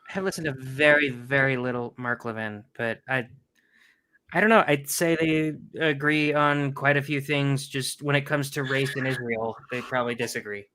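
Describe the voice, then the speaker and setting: A man co-hosting a casual political podcast, with a nasally, drawly voice and halting restarts. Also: medium pitch, fairly even intonation, bright, forceful tone, clean tone. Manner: laughs often, hesitant restarts. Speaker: podcast co-host.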